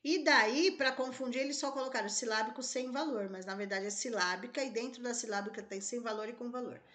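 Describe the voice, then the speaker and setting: A woman's voice: on the high side, fairly quick, a bit bright. A woman teacher with a Brazilian accent, reading exam questions aloud and thinking through the answers, often checking in with her class. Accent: Brazilian Portuguese. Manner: thinks aloud, rechecks answers, tags lines with "né?" and "tá?". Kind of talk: exam-prep lesson, reading and solving test questions.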